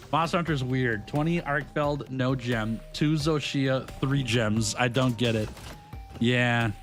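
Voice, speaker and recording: A man's voice: mid-range voice, slow, pauses often, faint music behind. A man live-streaming a video game, chatting casually with his viewers, joking and laughing often as he reads their messages aloud. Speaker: gaming streamer.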